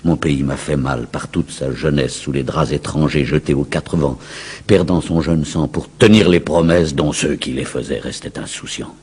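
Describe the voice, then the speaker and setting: A man reciting verse in a grave, declamatory, solemn dramatic style with a husky voice. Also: extremely low pitch, normal speed, darkish tone. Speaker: poetry reciter.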